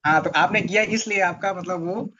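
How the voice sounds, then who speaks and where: A man's voice: high-pitched, moderate pace, highs cut off, crowd noise. A man who is a student in an online class, polite and hesitant, speaking to his teacher.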